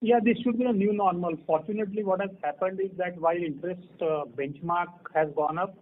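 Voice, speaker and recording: Higher-voiced executive over phone line. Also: male voice, fairly quick. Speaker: company executive. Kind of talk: earnings call answers.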